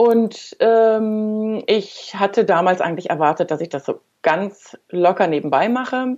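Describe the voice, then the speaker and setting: A woman with an unremarkable speaking voice talks at a fairly slow pace, medium in pitch, with ordinary pitch variation. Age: 60s. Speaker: lawyer and mother of four. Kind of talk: interview.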